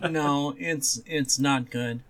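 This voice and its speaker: A man's voice: mid-range voice, steady tone, takes it slowly, a bit bright. A man co-hosting a podcast in casual, blunt chat about comics, dismissive and given to offhand swearing. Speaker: podcast co-host.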